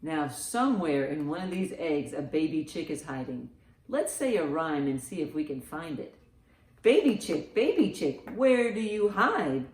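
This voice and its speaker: A woman with a slightly low voice leads a children's storytime. She takes her time and speaks in an encouraging, sing-song way. The room adds noticeable echo. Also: big pitch swings, measured pace, darkish tone. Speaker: children's librarian, storytime host. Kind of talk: children's storytime read-aloud and rhymes. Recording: roomy, echoing sound.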